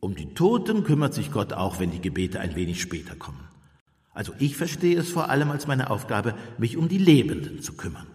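An actor playing a mild, shrewd Catholic priest detective in a German radio play, measured and politely evasive with understated irony. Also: male voice, mid-range voice, very animated, darkish tone, husky, no echo. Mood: gentle, coaxing.

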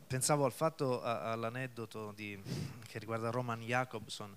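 A man's voice: mid-range voice, steady tone, moderate pace, smooth. A man speaking on a panel, away from the microphone. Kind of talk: panel talk.

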